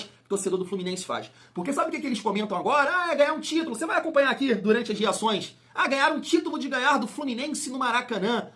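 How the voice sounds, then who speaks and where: Fired-up Rio man with a bright voice. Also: very high-pitched. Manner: emphatic, fired-up, rhetorical questions. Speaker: football fan channel host. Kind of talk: casual vlog commentary.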